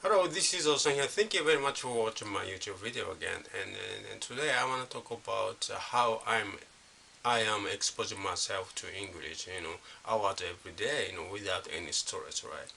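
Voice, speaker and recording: Halting middle-aged Japanese man, bright edge. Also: on the low side, creaky, a little hiss or hum. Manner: halting, leans on constant "you know" fillers and restarts. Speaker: vlogger. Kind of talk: unscripted casual monologue.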